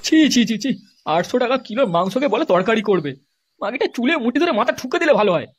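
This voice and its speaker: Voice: mid-range voice, very animated, fast, heavy background noise, lightly acted. A performer voicing a boastful, short-tempered poor husband in a comedy cartoon, foul-mouthed and insulting, with a West Bengal accent. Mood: exasperated. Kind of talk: amateur comedy cartoon dialogue.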